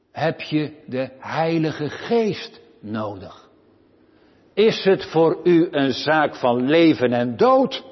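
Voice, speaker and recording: A male preacher with a husky, somewhat high voice delivers a sermon at a slow, deliberate pace. He questions his hearers directly and earnestly, swinging between soft and loud. The recording is dull and lo-fi, with long reverb from a large church. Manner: earnest, rising to loud pleading then dropping low; addresses listeners with direct questions.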